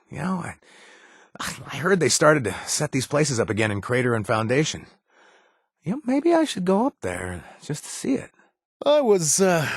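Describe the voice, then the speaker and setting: Young wasteland joker in a video game, dry close sound, animated delivery, hesitant fillers, self-mocking wit. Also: male voice, on the low side, husky, no echo, heavily acted. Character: wisecracking young male wasteland ex-chem user. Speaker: game companion character. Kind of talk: scripted video game voice lines.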